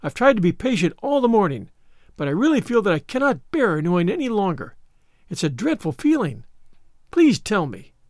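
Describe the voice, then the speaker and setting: Man voicing an excitable, high-pitched imploring orphan girl. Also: moderate pace, no echo, clean studio sound. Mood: pleading. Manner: earnest, gushing, wordy. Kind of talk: audiobook character voice.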